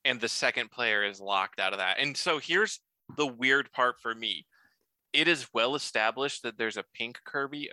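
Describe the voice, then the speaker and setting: Playful man with a very bright voice. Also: medium pitch, dry recording. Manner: playful, jokey, lively delivery. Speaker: podcast co-host. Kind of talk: casual podcast chat.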